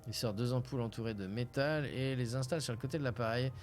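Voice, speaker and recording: A man's voice: medium pitch, fast talker. A young man from France reading a game aloud and chatting casually on a live stream, with hesitations. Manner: casual, hesitant, lots of fillers.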